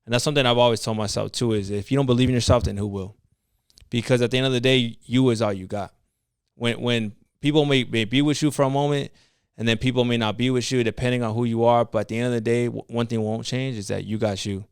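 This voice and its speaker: Speaking fast in a smooth, mid-range voice with a steady tone, this former nurse turned entrepreneur, a young man with a Latino American English accent, keeps his casual podcast talk earnest and motivational. He drops slang and restarts phrases. The sound is studio quality with no echo.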